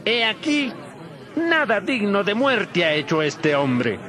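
An actor playing a firm Roman governor addressing a crowd formally in an audio Bible drama. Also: male voice, sits high, sing-song, slow, full character voice. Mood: firm, declaring. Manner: declamatory, formal.

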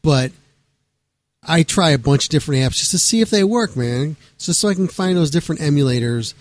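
A man hosting a radio show, talking casually and rambling excitably, cursing freely as he chats to listeners. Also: a little high, fairly quick, no echo. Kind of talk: casual late-night radio chat.

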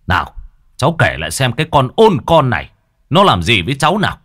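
A man voicing a hot-tempered middle-aged father, barking gruff shouts. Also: medium pitch, huge pitch swings, fast, no echo, studio quality, voice pushed up, heavily acted. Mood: stern.

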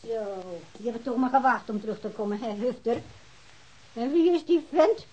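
An actress playing a sharp-tongued, scornful wife, scolding coarsely and combatively in a radio drama. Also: female voice, a little high, lively intonation, moderate pace, low-quality recording.

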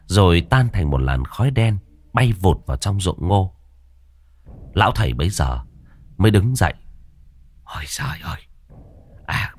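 A man narrating a horror story in an expressive, suspenseful way. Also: low-pitched, dry recording.

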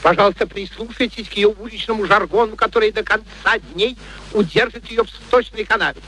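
High, sharp, pompous male professor. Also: fairly quick. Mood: haughty. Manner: pompous, emphatic, declamatory, precise diction. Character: arrogant, excitable gentleman phonetics professor, scornful and boastful. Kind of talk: theatrical radio play acting. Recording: noisy vintage radio play recording.

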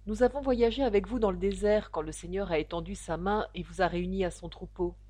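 A woman reading the part of a self-righteous young male Mormon elder, with a loud, emphatic delivery. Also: mid-range voice, brisk, lightly acted. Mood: pompous.

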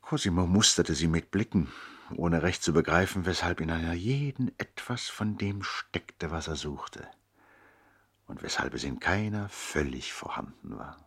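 An actor playing a nobleman who recounts his brother's life as narrator of a 1960s radio play, in an expressive, deliberate literary manner. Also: low-pitched, breathy edge, full character voice. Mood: reflective, narrating.

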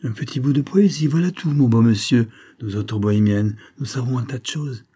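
A man's voice: medium pitch, moderate pace, dark tone, slightly rough, pitched above the performer's own voice, close to an everyday voice. A man voicing a defiant young gypsy woman who taunts and threatens with ominous prophecy, in an audiobook reading. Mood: taunting.

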